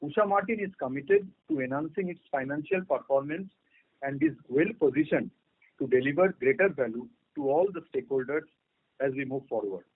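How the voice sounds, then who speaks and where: Husky male executive on a phone line. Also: a little high, lively intonation, a little fast. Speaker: company executive giving results address. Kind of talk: scripted formal corporate address. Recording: narrow phone-line conference call audio.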